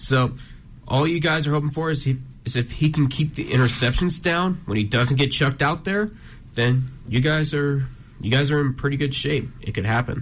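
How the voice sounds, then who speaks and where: A man speaks with a fairly high pitch, ordinary pitch variation and a somewhat breathy quality. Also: moderate pace. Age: 20s. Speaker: college radio sports co-host. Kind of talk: casual sports talk.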